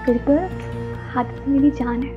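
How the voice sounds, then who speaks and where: An actress with a Pakistani Urdu accent playing a gentle, polite young aunt in a TV drama. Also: female voice, sits high, flat delivery, normal speed, phone-quality sound, music in the background, lightly acted. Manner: soft, polite. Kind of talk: TV drama acting.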